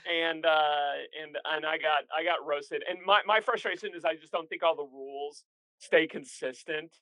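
A man's voice: on the high side, fairly even intonation, normal speed, bright, forceful tone, no echo, rough recording. A man co-hosting a podcast in casual chat, self-deprecating and rambling, often repeating words. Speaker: podcast co-host.

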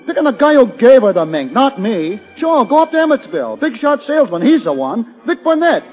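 High, jittery American small-time gambler. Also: male voice, big pitch swings, brisk, soft background music, heavily acted. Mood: defensive, rattled. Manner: slangy, ungrammatical, protesting. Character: Loopy Fife, nervous defensive male small-time gambler. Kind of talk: old-time radio detective drama acting. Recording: dull, reverberant old radio recording.

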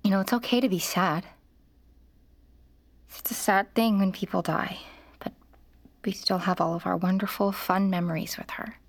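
An actress playing a weary mother who works at a hospital and narrates her story in a halting, strained way. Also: mid-range voice, fairly even intonation, close to an everyday voice. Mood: gentle. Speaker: narrator and lead character. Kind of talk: audio drama acting with narration.

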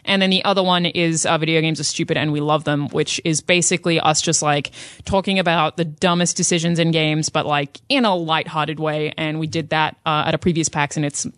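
Fast-talking woman, close dry sound. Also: deep voice, fairly even intonation, fairly bright tone, no room sound. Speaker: podcast panelist. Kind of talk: casual chat.

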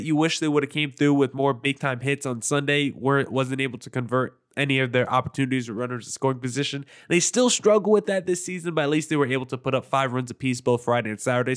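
A man's voice: mid-range voice, smooth. A young man with a nasal, congested voice from allergies, hosting a sports podcast in a chatty, opinionated, rambling way. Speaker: podcast host. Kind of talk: casual sports podcast commentary.

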